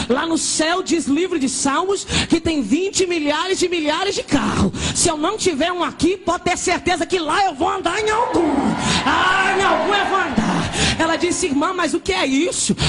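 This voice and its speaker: A woman missionary from Brazil preaching a fervent pentecostal sermon and testimony, often shouting and speaking in tongues. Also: high-pitched.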